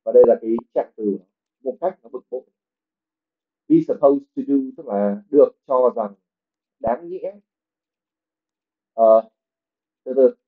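A man teaching English reads a novel aloud in a livestream and then explains the words one at a time. His pitch sits in the middle for a man. The sound is narrow and thin, like a phone line. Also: measured pace, pauses often. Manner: reads English passages, then translates and explains each word. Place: livestream at home.

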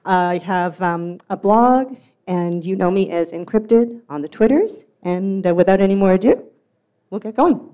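A woman's voice: medium pitch, animated, measured pace, highs cut off. A woman giving an enthusiastic, upbeat conference talk in a hall. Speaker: security conference speaker.

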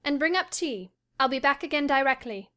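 Headstrong, excitable young lady of a period novel, played by a woman narrator, pitched high. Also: a little fast, soft background music. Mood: brisk.

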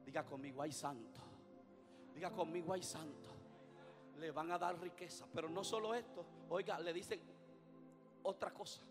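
A male pastor preaching a fervent sermon, calling on the congregation to repeat after him and swinging from quiet asides to loud climaxes. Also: on the high side, normal speed, pauses often. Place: church sanctuary. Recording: reverberant church hall with music.

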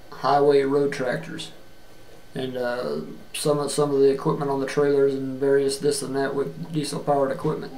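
A middle-aged man giving a plain-spoken, earnest video resume, halting often with fillers and restarts, recorded on a webcam in a small room. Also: medium pitch, darkish tone, slight background noise. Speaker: job seeker. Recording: echoey room with faint ambience.

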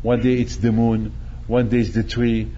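A man's voice: mid-range voice, level tone, normal speed, dark tone, muffled recording, a little hiss or hum. An older man, a rabbi, preaching animatedly, repeating phrases and acting out quotes, speaking into a stand mic in a synagogue hall. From Morocco. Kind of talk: sermon. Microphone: stand mic at chest.

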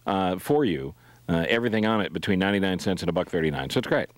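A man's voice: sits low, expressive, quick pace, no room sound. A middle-aged man hosting talk radio in a casual, joking, conversational way, close on a studio microphone. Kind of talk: casual live radio banter. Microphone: close broadcast microphone on boom.

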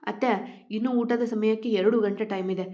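A woman's voice: a little high, steady tone, moderate pace, mellow, natural voice. A woman voicing a playful, insistent young husband in a read-aloud storybook, in a dull lo-fi recording. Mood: teasing.

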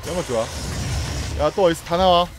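A man's voice: a little high, brisk, background noise. A man streaming a video game, giving playful let's-play commentary and teasing and coaxing the enemies he fights. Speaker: gaming streamer. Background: game music and effects.

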